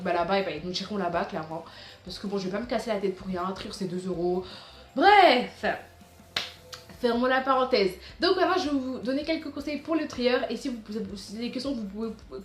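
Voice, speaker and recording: A woman's voice: mid-range voice, reverberant. A teenage girl vlogging casual back-to-school tips in a chatty, rambling way, full of restarts and fillers. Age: teens.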